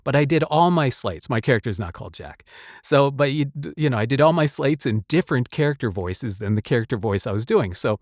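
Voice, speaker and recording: Animated man chatting, dry close sound. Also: medium pitch, no room sound. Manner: halting, rambling delivery with repeated words. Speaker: voice actor and channel host. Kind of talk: casual chat, personal anecdote and advice.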